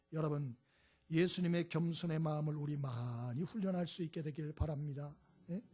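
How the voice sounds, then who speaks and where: A man's voice: sits high, dark tone, breathy edge. A male pastor preaching a sermon, telling stories and prodding the congregation with short questions. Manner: storytelling, prods the congregation with "예?" and "음?".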